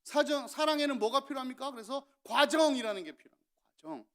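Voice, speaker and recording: A male pastor preaching a sermon, telling stories with lively acted-out lines of parents and children. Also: very high voice, fast. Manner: animated storytelling, acting out parents and children.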